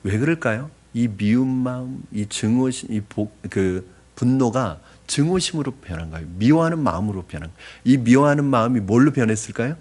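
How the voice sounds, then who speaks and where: A man's voice: medium pitch, lively intonation, brisk, hardly any pauses. A man preaching a conversational sermon as pastor, often asking the congregation questions. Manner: acts out polite apologies in a softened voice.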